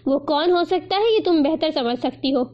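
A woman voicing a calm, concerned young man who speaks softly in a storybook reading. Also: sits high, lo-fi sound. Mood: gentle, concerned. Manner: soft-spoken, measured.

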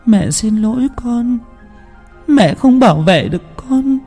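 A man's voice: medium pitch, big pitch swings, moderate pace, mellow, reverberant, big-room sound, faint music behind, lightly acted. A man voicing a grieving young peasant mother who pleads through tears and swears revenge. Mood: sobbing grief. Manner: sobbing, pleading.

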